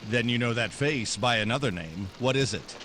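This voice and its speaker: An actor playing a hard-boiled American private detective in 1940s noir radio style, wry, clipped and dogged. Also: male voice, mid-range voice, normal speed, sharp tone, a little hiss or hum, natural voice. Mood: pressing, tough. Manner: wry, clipped, tough-talking. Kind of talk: 1940s noir radio drama acting and narration.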